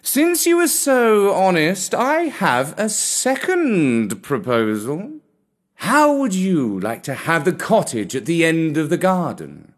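A man reading a storybook who voices an elderly male cat, slow, stately and courteous. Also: a little high, very animated, voice pushed up. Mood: courtly.

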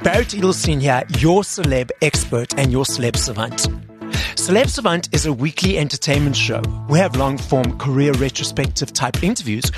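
An upbeat male host speaks at a middling pitch, reading a scripted intro and asking career questions. Faint music plays softly behind him. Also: expressive, moderate pace. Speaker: interview host.

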